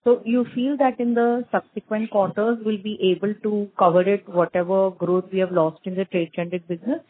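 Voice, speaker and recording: A woman analyst with a mid-pitched voice asks probing questions on a conference call. She checks each point back, and she sounds thin and narrow over the telephone. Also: steady tone, a little fast. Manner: probing, confirming answers back. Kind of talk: question and answer on an earnings call.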